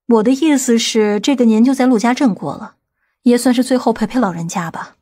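A woman voicing a composed, decisive aunt in an audiobook drama, measured and matter-of-fact. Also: a little high, dark tone, natural voice.

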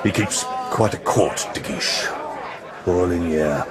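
An actor playing a worried theatre-goer, fretting in asides in a period radio drama. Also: male voice, low voice, slow. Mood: puzzled worry. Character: worried, fretful friend among theatre-goers. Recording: loud crowd and music behind.

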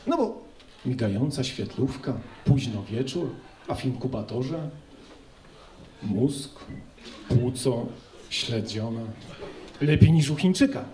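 A man's voice: medium pitch, lively intonation, takes it slowly, long pauses, mellow, slight background noise. A young man performing an ironic, conversational stand-up comedy monologue on stage into a handheld mic. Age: young adult. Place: student club stage in front of an audience. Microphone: handheld microphone.

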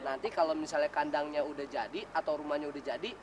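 A man's voice: high voice, very animated, fairly quick, heavy background noise. A man playing a doting, playful husband cooing to his pet rooster in a TV comedy. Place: outdoor garden.

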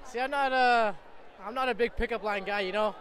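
A young man with a very high, bright voice answers in sweary slang. He speaks casually into a handheld mic outdoors with a light crowd. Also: brisk. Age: young adult. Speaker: interviewee. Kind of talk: casual street interview. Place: outdoors at a crowded street party. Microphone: handheld microphone.

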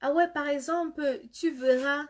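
A woman's voice: high voice, steady tone, moderate pace, slight background noise. A woman with a Cameroonian accent chatting casually on a live stream, reading viewer comments aloud and answering them in a teasing, emphatic way.

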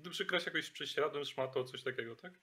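A man's voice: fairly high pitch, fast, bright, forceful tone, slightly rough. A man playing a tabletop game, explaining his moves in a planning, matter-of-fact way. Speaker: player. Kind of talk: casual tabletop play.

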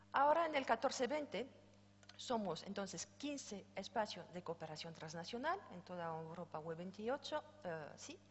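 French-accented woman presenting in a hall. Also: mid-range voice. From France. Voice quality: hesitant fillers and self-corrections. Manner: explanatory, informal asides with light laughter and fillers. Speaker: head of a programme office, conference speaker. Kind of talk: conference presentation. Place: conference stage. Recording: dull sound with long hall reverb, faint hum.

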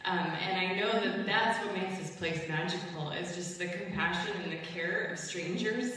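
A woman's voice: lowish voice, normal speed. Earnest woman's testimony in an echoey chapel. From Wisconsin. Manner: earnest, emotional, with soft laughs. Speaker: congregation member giving testimony. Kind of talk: heartfelt personal testimony. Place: large chapel with hard walls. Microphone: stand mic, heard from a distant camera. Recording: echoey chapel, voice far from mic.

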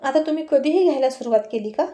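A bashful, sweet young wife from a spoken story, as a woman narrator voices her. The voice is fairly high and mellow, heard in an echoey room. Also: animated, fast.

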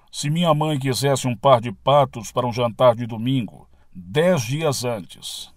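Brazilian guy reading out a spiritual talk, mid pitch voice, dry clean room sound, teacherly. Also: no room sound. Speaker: narrator reading a translated lecture. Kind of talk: scripted narration of a spiritual lecture.

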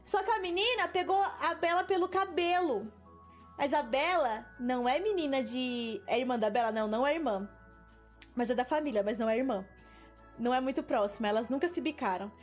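A young woman with a Brazilian Portuguese accent, telling a story in casual chat as a gaming video host, animated and quick to act out what people said. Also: sits high, faint music behind. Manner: animated, laughing storyteller who acts out quotes. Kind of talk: casual storytelling while playing a game.

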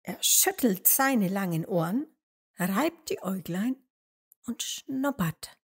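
A woman narrating a story for small children as an expressive storyteller. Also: mid-range voice, slow, slightly rough.

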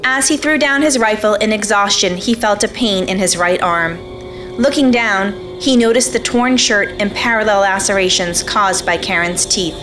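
A woman's voice: medium pitch, normal speed, poor audio. A woman reading scripted radio play narration on a stage. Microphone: stand microphone. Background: music.

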